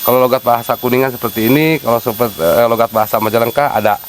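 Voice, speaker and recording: A man's voice: mid-range voice, quick pace, slight background noise. A man with a Sundanese accent, working as a site guide, explains things unhurriedly, with many fillers. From West Java, Sundanese. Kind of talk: casual explanatory interview. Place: outdoors at a wooded sacred site.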